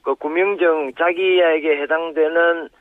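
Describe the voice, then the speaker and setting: A man, a professor, explaining on a news interview over a phone line, measured and pausing often with fillers. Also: on the high side, steady tone, no echo. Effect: heard over a phone line. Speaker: professor, expert guest. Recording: tinny phone line, dry.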